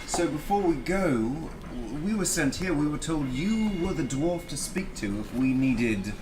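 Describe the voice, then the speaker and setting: A man's voice: fairly high pitch, lively intonation, a little slow, background noise. A man playing a tabletop game, pleading his party's case in character in a rambling, earnest, joking way.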